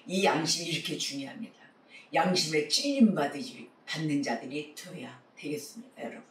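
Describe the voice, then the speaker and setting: Male pastor giving an earnest sermon, highish voice, kinda far from the mic in an echoey church. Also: a little fast, a bit bright. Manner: earnest preaching, exhorting the congregation.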